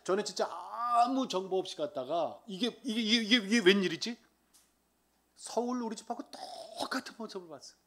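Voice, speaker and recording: Speaking fairly quickly in a high voice, a man from Seoul in his sixties gives a lay deacon's humorous testimony at a church service. He narrates with energy and acts out other people's voices.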